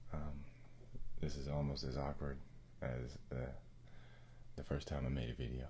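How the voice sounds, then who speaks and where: A soft-spoken man with a very deep, low pitch, a dark, mellow tone and vocal fry, at a moderate pace with long, frequent pauses and flat, monotone intonation. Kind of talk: casual talk to camera.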